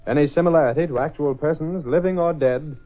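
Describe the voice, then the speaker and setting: A man reading a formal radio announcement in a measured, deep way, on a tinny old broadcast.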